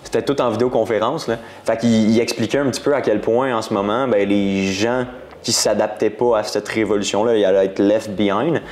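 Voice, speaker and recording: Low-voiced Quebec French man, slangy. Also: steady tone, a little fast, darkish tone. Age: 20s. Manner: slangy, rambling, mixes in English words. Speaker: guest entrepreneur. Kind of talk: casual interview.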